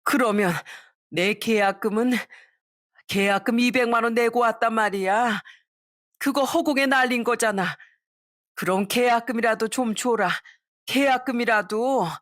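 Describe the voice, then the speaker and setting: A woman's voice: fairly high pitch, unhurried, no room sound, studio quality, natural voice. Woman doing a drunk, wailing older mother-in-law. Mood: pleading. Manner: slurred, wailing, dragging words. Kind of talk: storybook reading.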